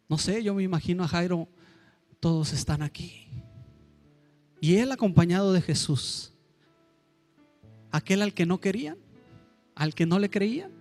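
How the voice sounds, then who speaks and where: Mexican guy preaching in church, high voice, punchy delivery, soft music under it. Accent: Mexican Spanish. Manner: emphatic, acts out quoted voices. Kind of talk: sermon.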